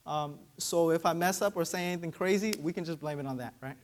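A man's voice: a little high, fast talker, slight background noise. A young man with Vietnamese as his first language, preaching a sermon in a conversational way and often asking "right?". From Vietnamese American, raised in Georgia. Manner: conversational, frequent "right?" tag questions.

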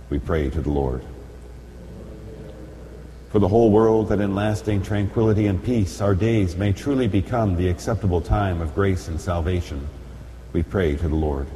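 A man speaking as a priest at Mass, reciting solemn liturgical prayers in a formal, measured way, at times chanting, in an echoing church. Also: low voice, dark tone. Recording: echoey church, long reverb, background noise.

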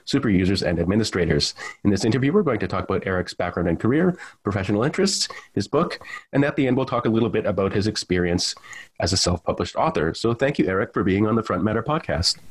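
A man's voice: on the low side, husky. A man hosting an interview podcast, reading a scripted introduction and then chatting casually with many restarts. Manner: friendly, conversational, with many restarts. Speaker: podcast host.

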